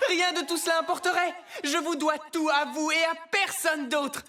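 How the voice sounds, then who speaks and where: A woman's voice: extremely high pitch, steady tone, normal speed, music in the background. A woman voicing a cocky, careless young boy who is secretly a costumed superheroine in a French cartoon dub, boastful and dismissive. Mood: showy, boastful.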